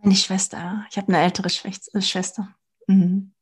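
A woman in her thirties, from Portugal, with a slight Swabian accent, talking about her life as a guest in a casual interview, reflective and pausing with fillers. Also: mid-range voice, little pitch movement, breathy edge. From Portugal, raised near Stuttgart. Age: 30s. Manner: reflective, with many fillers and restarts. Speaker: guest, coach for women.

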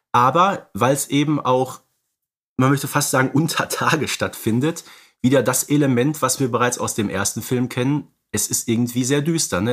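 Male podcast co-host, mid-pitched, explanatory conversational analysis with frequent tag questions. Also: fairly bright tone.

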